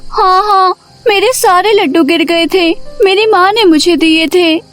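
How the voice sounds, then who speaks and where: Young village girl, extremely high voice, timid, polite, childlike, cartoon storybook style, music behind. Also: unhurried, a bit bright, no echo. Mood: puzzled. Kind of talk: animated storybook voice acting.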